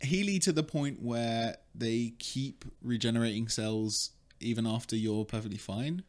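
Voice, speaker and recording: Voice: medium pitch, measured pace, darkish tone. A podcast co-host from the UK recapping a tabletop game, with dry, agreeable replies and frequent laughs.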